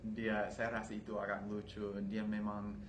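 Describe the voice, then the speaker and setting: A man's voice: on the low side, monotone, moderate pace. A young American man, a native English speaker, talking casually to camera as a foreigner speaking Indonesian. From United States. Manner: foreigner speaking Indonesian, with Malay-tinged wording. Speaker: university language student. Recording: clearly noisy room ambience.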